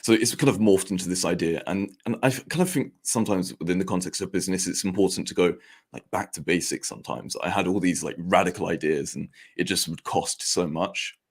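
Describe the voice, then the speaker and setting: A nineteen-year-old man with a croaky voice, chatting hesitantly as a guest on a podcast with many restarts. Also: a little fast. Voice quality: croaky deep voice. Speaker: guest, media founder. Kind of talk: casual podcast chat.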